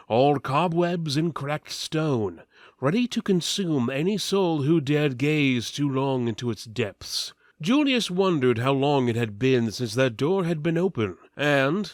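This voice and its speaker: Male narrator for mock-epic fantasy, theatrical and solemn, very varied pitch, dry close sound. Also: dry recording.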